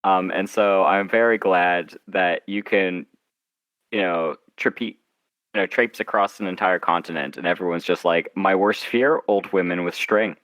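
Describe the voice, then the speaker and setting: A man with a fairly low voice chats casually as an interviewed author. His manner is wry and self-deprecating. The sound is dry, with little room around him. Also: steady tone, unhurried, a bit bright, no room sound, poor audio. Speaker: guest author discussing own story.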